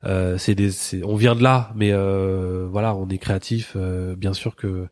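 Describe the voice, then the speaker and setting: Hesitant low-voiced man chatting. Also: fairly even intonation, unhurried, a little mellow, no echo, studio quality. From France, Paris area. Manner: hesitant, many fillers and restarts. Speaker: creative agency co-founder, guest. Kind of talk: casual interview chat.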